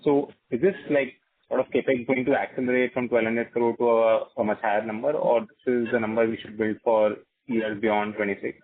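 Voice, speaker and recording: A man with an Indian accent, an analyst putting halting questions on an earnings call. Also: mid-range voice, flat delivery. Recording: narrow, tinny phone line.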